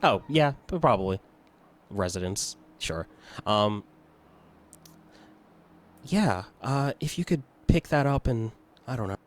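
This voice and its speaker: A man playing a lonely, resigned dead climber in a tabletop game, halting, subdued and unsure. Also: lowish voice, animated, pitched above the performer's own voice.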